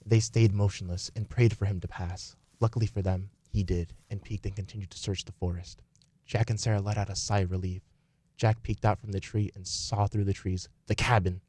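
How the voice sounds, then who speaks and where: A man's voice: lowish voice, fairly even intonation, brisk, a little mellow, no room sound. A man reading scripted story narration as the narrator of a radio play.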